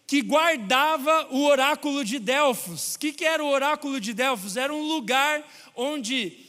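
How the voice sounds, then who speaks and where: Brazilian male pastor, very high bright voice, joking sermon in a reverberant church hall. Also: normal speed. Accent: Brazilian Portuguese. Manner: lively and joking with the congregation.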